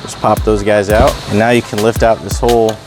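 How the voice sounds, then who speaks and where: Over music, a race car builder gives a casual, hands-on product demonstration, speaking briskly in a lowish, level voice. His tutorial is informal, plain-spoken, and unscripted, like someone who works in a shop.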